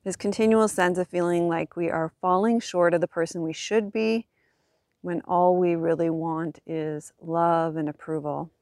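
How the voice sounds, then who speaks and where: Woman yoga teacher, kinda low voice, gentle n soothing guided class, pretty dry sound no echo. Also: fairly even intonation. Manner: soothing, gentle, measured delivery with pauses. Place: outdoors in a regional park.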